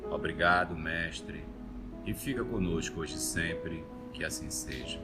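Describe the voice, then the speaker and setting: A man who works as a radio host, giving a calm, reverent spoken prayer. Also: very deep voice, unhurried. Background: guitar music.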